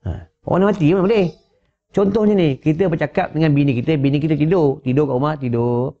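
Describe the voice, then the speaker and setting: A man with a Malaysian Malay accent giving an informal religious lecture at a home gathering, joking and checking his listeners with quick "ha? eh?" asides. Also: fairly high pitch. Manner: jokey, rhetorical, checks listeners with "ha? eh?". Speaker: Islamic religious teacher. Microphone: wireless lapel mic. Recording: dull lo-fi sound.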